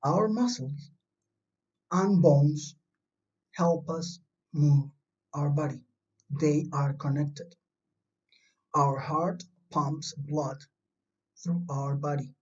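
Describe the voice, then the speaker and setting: Slow, mellow teacher. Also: medium pitch. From Chile. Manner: patient, simple explaining tone, reassuring pupils. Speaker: primary school science teacher. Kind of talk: recorded remote lesson for young children. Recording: distant, dull lo-fi home recording.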